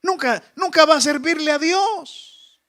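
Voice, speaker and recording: A man's voice: very high voice, unhurried, pushed and bright. A male pastor preaching a fervent sermon, exhorting the congregation with repeated questions.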